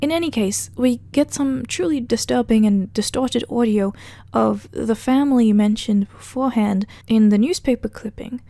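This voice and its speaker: Higher-voiced woman, mellow, wry video essay narrator. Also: creaky, dry recording. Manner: conversational, wry, sardonic asides. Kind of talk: casual narrated recap and commentary of a horror web series.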